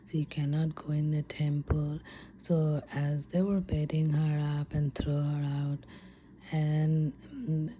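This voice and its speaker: Slow, whispering woman telling an ASMR story. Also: low voice, flat delivery, lo-fi sound, slight background noise. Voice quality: breathy, unvoiced whisper. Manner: hushed, halting delivery with frequent pauses.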